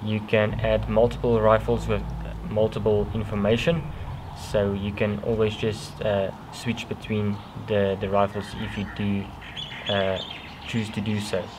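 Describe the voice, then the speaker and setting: Noticeable background noise sits behind a man with a fairly low pitch. He talks at a fairly slow pace with fairly even intonation. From South Africa. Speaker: airgun YouTuber. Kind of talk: tutorial. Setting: outdoors. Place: garden.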